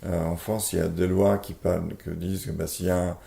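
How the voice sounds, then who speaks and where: A man's voice: low voice, flat delivery, fairly quick, vocal fry, warm tone, roomy sound. A man with an Italian accent, a board game publisher talking casually in an interview, hesitant with many fillers and restarts.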